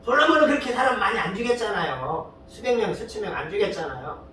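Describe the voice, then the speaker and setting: A man's voice: expressive, fast talker, sharp tone. Pastor guy preaching, keeps asking the crowd questions, sounds far away in a really echoey church. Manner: fires rhetorical questions and prods listeners with "eh?"; colloquial, storytelling preacher. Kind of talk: sermon. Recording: very echoey hall, distant mic, faint rumble.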